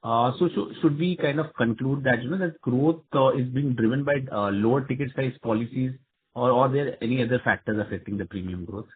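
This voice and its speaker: A man's voice: mid-range voice, fairly quick, breathy edge. A man with an Indian accent, an analyst, politely and hesitantly puts questions on a conference call. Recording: tinny phone-like line.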